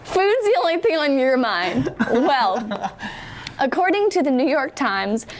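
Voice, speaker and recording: Young woman, student news co-host, animated chatty delivery, fairly high voice. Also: unhurried, slight background noise. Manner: animated, lots of "like", lively swings in pitch. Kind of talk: casual chat and scripted news reading.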